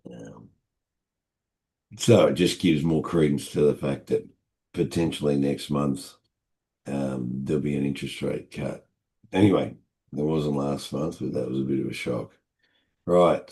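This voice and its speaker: An Australian man with a hoarse, croaky voice, hosting a live trading session in a relaxed, rambling way. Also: extremely low pitch. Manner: relaxed, rambling with many fillers. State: hoarse after being ill. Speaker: forex trading host.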